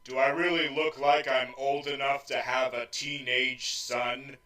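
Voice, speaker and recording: A man voicing a gruff, menacing male supervillain who speaks in a threatening, annoyed way. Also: mid-range voice, flat delivery, a little slow, pushed and bright, voice pushed down. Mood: dry. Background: background music.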